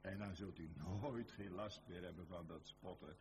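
A man's voice: low-pitched, normal speed, background noise. A man with a Dutch accent preaching a fervent sermon, repeating phrases and speaking back and forth with God. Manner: fervent, repetitive, dialogue with God.

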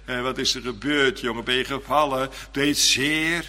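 A man voicing a gentle mother who soothes her crying child softly. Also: mid-range voice, normal speed. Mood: tender. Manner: soft, soothing. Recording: long church reverb.

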